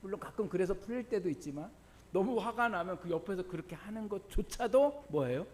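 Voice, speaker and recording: Man, high voice, middle-aged pastor, sermon, asks and answers his own questions, laughs while telling stories. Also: expressive, a little fast, a little mellow, slight background noise. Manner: asks the congregation questions and answers them himself; tells personal stories with laughter.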